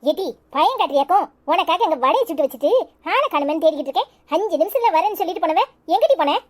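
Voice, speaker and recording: A bossy but caring elder village sister from a cartoon talks bluntly in a Tirunelveli Tamil accent. Her voice is very high and lively. She fusses and scolds like a mother. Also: quick pace. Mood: fussing. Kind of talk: cartoon voice acting.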